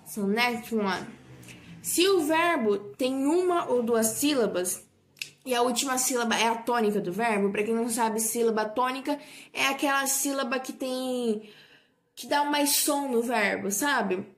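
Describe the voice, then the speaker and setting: A woman's voice: on the high side, a little slow. A Portuguese-speaking woman teaching English grammar in an online lesson, patient and repetitive, often correcting her own slips. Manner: patient, repeats points and asks for repetition; frequent slips and self-corrections.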